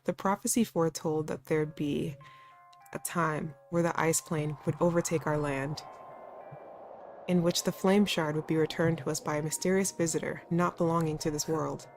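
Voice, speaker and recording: A woman's voice: low-pitched, fairly even intonation, normal speed, soft background music. A woman voicing an earnest young exiled prince from a video game, reading his lines aloud in a put-on Australian accent.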